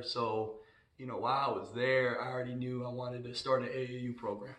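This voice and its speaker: A man speaks in a medium pitch against noticeable background noise. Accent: American. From Southern California. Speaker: college basketball assistant coach. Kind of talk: interview. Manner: casual, filler-heavy.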